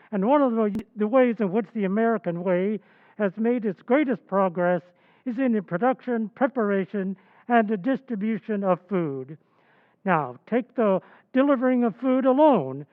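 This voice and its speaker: A man's voice: sits high, narrow, tinny audio. A man playing an earnest, reverberant radio announcer. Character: earnest radio announcer reading sponsor message. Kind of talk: old-time radio announcing.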